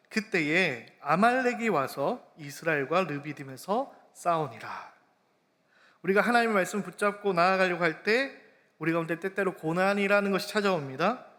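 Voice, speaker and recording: Pastor, man, high voice, sermon with rhetorical questions, long church-hall reverb. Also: a bit bright. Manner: many rhetorical questions to the congregation. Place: church sanctuary.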